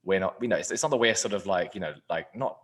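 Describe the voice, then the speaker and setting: A man hosting a casual podcast chat, rambling with many fillers and often trailing off quietly. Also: low voice, expressive, quick pace. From England. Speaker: podcast host.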